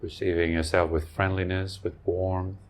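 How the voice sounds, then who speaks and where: With long pauses between short, gentle phrases, a man teaches a guided meditation. His voice is low and his delivery flat.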